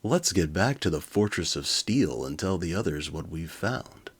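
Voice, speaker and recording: A man voicing an excitable, heroic scientist in a hammy, dramatic storybook reading. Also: deep voice, moderate pace, slightly rough, exaggerated voice. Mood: excited, eager. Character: earnest heroic male scientist, Doctor Fury, excitable.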